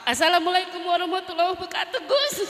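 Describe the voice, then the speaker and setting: A woman from Central Kalimantan, an audience member talking haltingly and repeating herself. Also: extremely high pitch, lively intonation. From Central Kalimantan, Indonesia. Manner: halting, repeats words, searches for names. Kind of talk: casual chat. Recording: roomy hall reverb with faint noise.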